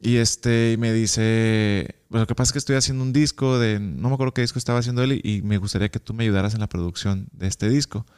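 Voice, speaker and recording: Young Mexican man, casual interview guest, lively storyteller who acts out quoted lines. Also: on the low side, fast talker, hardly any pauses, clear, resonant tone. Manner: animated, acts out quoted dialogue.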